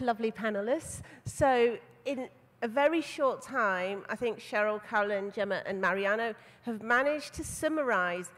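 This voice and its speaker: A woman moderating a conference panel, thanking the speakers politely and opening the floor to questions. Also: on the high side. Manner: polite, appreciative. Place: large conference hall. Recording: reverberant conference hall.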